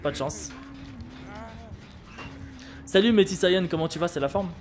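A man's voice: high-pitched, a little slow, faint music behind. A French man streaming a game, chatting casually and reading his viewers' chat with wry humor. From France.

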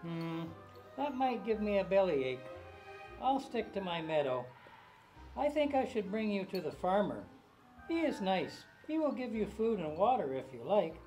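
A woman voicing a kind, motherly cow in a puppet show, gentle and caring. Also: mid-range voice, very animated, a little slow, soft background music, poor audio.

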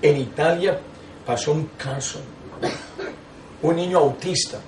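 An older man, a priest, teaching a lay audience in a small meeting room, telling stories with lively asides and restarts. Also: fairly high pitch, slow, far from the mic, noisy background. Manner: animated storytelling with frequent asides and restarts. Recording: echoey room, taken from afar.

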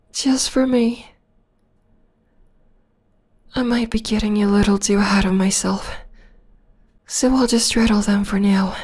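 Obsessive young female vampire played by a woman for ASMR roleplay: whispery, slow, tender yet menacing. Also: fairly high pitch, darkish tone. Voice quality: breathy, whispery. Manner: intimate, slow, lingering delivery. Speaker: voice actor.

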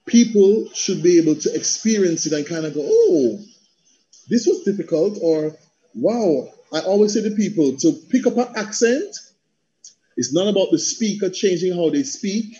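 A Jamaican man speaks passionately in a fairly high but mellow voice, slipping into patois with a rhythmic delivery. He is a guest on a video call, and the sound is a little dull. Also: moderate pace. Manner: animated, rhythmic, slips into patois. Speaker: panel guest, theatre practitioner and coach. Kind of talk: passionate conversational talk. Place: indoor room at home on a video call.

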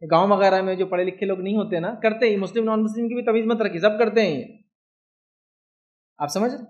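ऊँची आवाज़ वाला पुरुष धार्मिक वक्ता. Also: male voice, high-pitched, fast talker, darkish tone, highs cut off. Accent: Indian Hindi-Urdu. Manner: conversational, keeps asking "do you understand?". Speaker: Islamic lecturer. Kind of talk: religious lecture.

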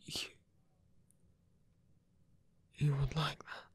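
A man playing a guarded, lovestruck villain in an ASMR roleplay, halting and tender, with a breathy voice that often drops to a whisper. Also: no room sound, close to an everyday voice. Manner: halting, hesitant delivery with pauses. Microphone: close dry microphone.

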